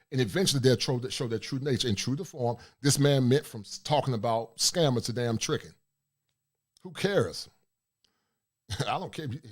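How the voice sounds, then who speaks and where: Middle-aged male livestream host, deep forceful voice, preachy monologue. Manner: forceful, preachy, reads chat aloud. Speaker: host of a livestream talk show.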